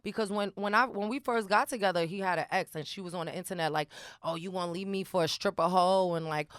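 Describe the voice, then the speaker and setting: A woman's voice: lowish voice, quick pace, smooth, no echo, clean studio sound. A woman chatting candidly and casually as a podcast guest, blunt and full of slang and swearing. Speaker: podcast guest, rapper and reality TV personality.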